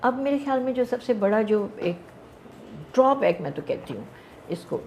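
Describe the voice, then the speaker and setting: An older woman, a television actress telling lively stories in a casual interview and mixing English into her Urdu. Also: on the high side, creaky, slight background noise. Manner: animated storyteller, mixes English into Urdu, laughs often.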